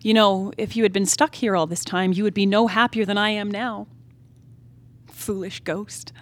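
A woman's voice: medium pitch, fairly even intonation, moderate pace, natural voice. A woman acting a restless, defiant young wife in a dramatic stage play reading, yearning and impassioned. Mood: wistful, resolute. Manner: theatrical, impassioned soliloquy. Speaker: playwright reading her own play.

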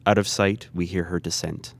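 A man's voice: deep voice, little pitch movement, normal speed, creaky. A man giving scripted narration, reading the stage directions of a play.

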